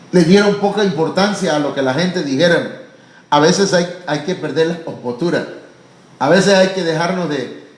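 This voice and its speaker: A man preaching a sermon as pastor, fervent and often addressing listeners as brother, sometimes rising to loud drawn-out cries. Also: on the high side, echoey room, low-quality recording. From Mexico. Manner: fervent, repeatedly calling listeners "hermano"; rises to loud, drawn-out cries when acting out pleas. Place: church.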